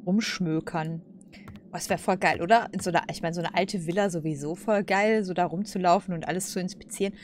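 A woman gives casual commentary as she plays a game, thinking aloud in slangy, informal talk. Her voice is on the low side, with clear game ambience behind it. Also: fairly quick, a little hiss or hum. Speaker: let's play host.

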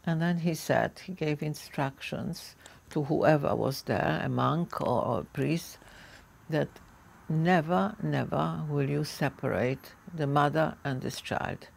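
An older woman being interviewed at home, recounting memories in a halting, emotional way with many restarts. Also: low voice, vocal fry. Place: indoor living room.

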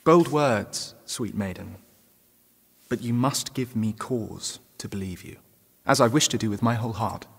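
An actor playing a playful yet wary medieval French prince in an audio drama. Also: male voice, lowish voice, unhurried, creaky, husky, heavily acted. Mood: regal, guarded. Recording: long hall reverb, music behind.

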